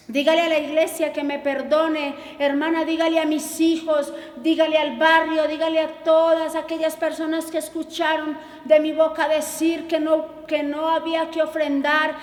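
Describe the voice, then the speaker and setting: A woman's voice: high-pitched, natural voice. Woman voicing a weeping condemned soul pleading. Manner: crying, begging. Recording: echoey hall reverb.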